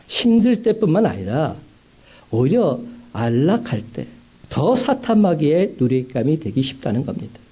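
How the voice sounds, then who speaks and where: A man preaching a sermon as a pastor, with emphatic rising climaxes and slow, stressed phrases. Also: fairly high pitch, wildly swooping pitch, warm tone, breathy edge.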